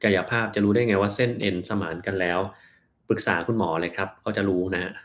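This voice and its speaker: Low-voiced man answering health questions. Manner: relaxed, plain-spoken, slows down to explain terms. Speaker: doctor answering viewer questions. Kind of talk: live-stream Q&A, reading and answering questions.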